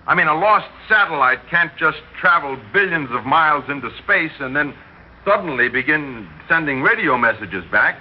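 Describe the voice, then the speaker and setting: An actor playing an eager news reporter who questions scientists in a vintage radio drama. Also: male voice, a little high, expressive, moderate pace, close to an everyday voice. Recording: dull old radio recording with faint noise.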